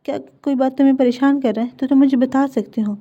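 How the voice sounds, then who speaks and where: A woman's voice: high-pitched, steady tone, fast talker, mellow. A woman voicing a prying, teasing young female college friend, in a dull lo-fi recording. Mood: curious.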